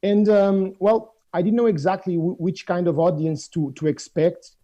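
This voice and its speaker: A Portuguese man in his forties presents over a video call, his English carrying a Portuguese accent. The voice sits fairly high but sounds very dark and muffled. He often restarts phrases and repeats words. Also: steady tone, moderate pace. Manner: hesitant, repeats words when starting phrases. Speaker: guest speaker. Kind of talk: conference presentation. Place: office room.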